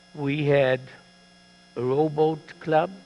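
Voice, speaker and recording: A man with a German accent and a fairly high pitch. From Germany, Berlin. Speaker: war veteran. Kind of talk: interview.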